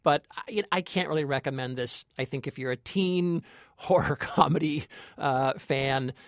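A man's voice: fairly high pitch, unhurried, no room sound, studio quality. An American man co-hosting a film review podcast, talking informally and conversationally, with hedged opinions.

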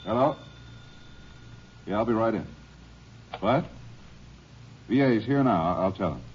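Deep-voiced, matter-of-fact doctor. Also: male voice, animated, unhurried, breathy edge. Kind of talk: 1950s radio drama acting. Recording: dull old radio recording, faint noise.

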